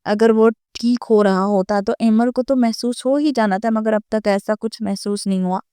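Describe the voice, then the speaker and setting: A woman reading a romance novel aloud in steady, scripted storytelling narration. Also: a little high, clear, resonant tone, no echo, studio quality.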